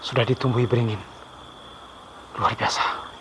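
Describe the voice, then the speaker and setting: A man's voice: mid-range voice, fairly even intonation, moderate pace. A middle-aged man narrating to viewers while exploring an abandoned overgrown building at night, on a handheld camera. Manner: addresses viewers, calls out loudly to spirits. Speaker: ghost-hunting vlogger. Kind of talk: hushed exploring commentary. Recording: faint night insect noise. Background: crickets and insects.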